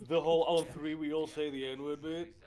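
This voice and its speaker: A man's voice: fairly high pitch, steady tone, a little slow, darkish tone. Man on a group stream call, drowsy and crude, jokey, home desk mic. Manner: drowsy, swearing, joking. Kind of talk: casual banter. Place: at home in a chair. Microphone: desk mic wrapped in socks.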